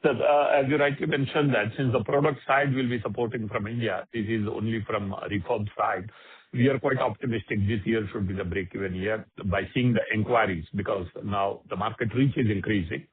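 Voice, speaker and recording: A man, a company executive, answering analyst questions on an earnings call with many fillers and pauses. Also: fairly low pitch, fairly even intonation, husky. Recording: tinny phone line.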